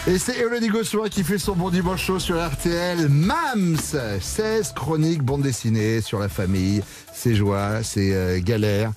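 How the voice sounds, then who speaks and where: Radio host guy, slightly high voice, jokey and laughing a lot. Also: unhurried, few pauses, a little mellow, soft background music. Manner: playful, laughs often while talking. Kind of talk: lively radio show hosting.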